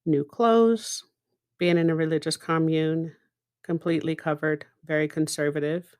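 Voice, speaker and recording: A middle-aged woman from Israel, a native Hebrew speaker, giving a reflective personal monologue in a deliberate manner with dramatic pauses and rhetorical asides. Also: low-pitched, steady tone, darkish tone, smooth, no echo, clean studio sound. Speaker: podcast host and speaker.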